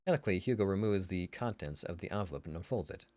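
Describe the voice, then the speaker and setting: A man's voice: low-pitched, expressive, very fast, noisy background. A man narrating a visual novel aloud in an informal way, correcting himself as he reads.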